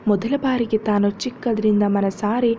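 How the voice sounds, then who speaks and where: A woman tells a serialized romance in a steady, dramatic storytelling style, her mid-range voice at a moderate pace. Faint hiss sits on the dull, lo-fi recording.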